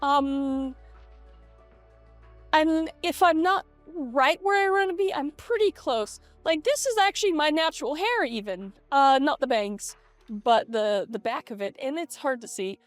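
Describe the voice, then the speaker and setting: A woman's voice: sits high, lively intonation, unhurried, dry recording. A middle-aged American woman talking candidly and hesitantly in a casual vlog, her voice run through a voice changer. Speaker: vlogger. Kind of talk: casual confessional vlog to camera. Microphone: webcam setup at a computer. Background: lo-fi game music.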